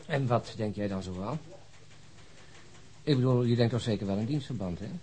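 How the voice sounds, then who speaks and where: A man's voice: lowish voice, moderate pace, warm tone, slight background noise, lightly acted. Teasing police detective played by a man. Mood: probing, wry. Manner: teasing, mock-dramatic. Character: joking, talkative, food-loving male police detective. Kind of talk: radio drama acting.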